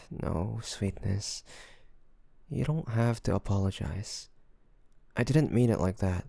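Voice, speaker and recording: A man playing a loving, worried boyfriend in an intimate roleplay audio drama, speaking gently and hesitantly in a pleading way. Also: on the low side, slow pace, gravelly, no room sound, exaggerated voice. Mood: concerned, pleading. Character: loving, worried boyfriend coaxing his sick partner to rest.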